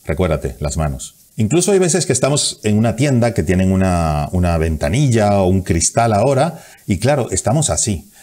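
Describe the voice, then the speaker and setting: A man coaching viewers on speaking clearly, lively, stressing consonants and sometimes slowing to demonstrate. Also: on the low side. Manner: energetic, acts out examples with hands. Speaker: communication coach. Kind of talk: tips video to camera.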